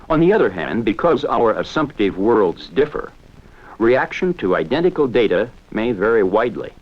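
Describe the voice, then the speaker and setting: A man giving measured, explanatory scripted narration for a 1970s educational film. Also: lowish voice, muffled recording.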